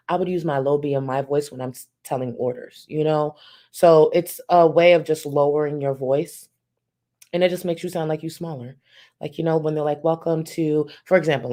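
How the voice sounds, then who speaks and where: A woman with a naturally deep, low voice hosts a live reaction stream. She talks bluntly and mockingly, swearing freely as she comments. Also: mellow.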